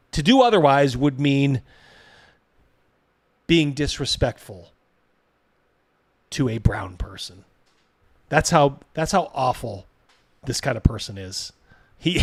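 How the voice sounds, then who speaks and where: A man's voice: mid-range voice, no room sound. A man hosting a casual live commentary, reading out viewer comments in a blunt, mocking, sweary way. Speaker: host of a livestream reacting to a video.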